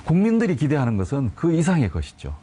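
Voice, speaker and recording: A man commenting on politics as an academic panelist, measured and emphatic, pausing on drawn-out fillers. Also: a little high, wildly swooping pitch, mellow, breathy edge.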